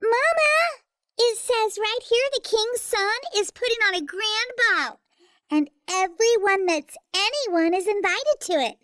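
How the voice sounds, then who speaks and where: A woman voicing a cruel, sneering bully from Cinderella's stepfamily in an animated fairytale, taunting with drawn-out insults. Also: extremely high pitch, no echo, full character voice. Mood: gloating, mocking. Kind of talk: animated fairytale storybook acting.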